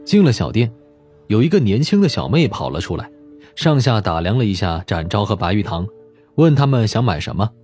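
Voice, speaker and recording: Male narrator for audio fiction: deeper register, expressive swings, soft music bed. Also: brisk, husky. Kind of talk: scripted story narration. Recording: music behind the voice.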